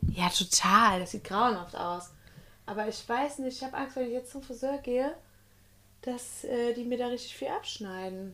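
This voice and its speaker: A high-pitched woman with lively intonation at a moderate pace, over noticeable background noise. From rural Germany, a village. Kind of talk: casual chat.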